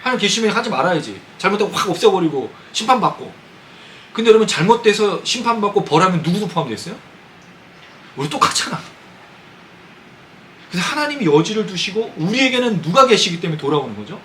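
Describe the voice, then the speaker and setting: Lively Korean pastor preaching. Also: male voice, high-pitched, fast talker, pauses often, a little hiss or hum, rough recording. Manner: conversational preaching, asks the congregation questions. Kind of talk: sermon. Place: church sanctuary.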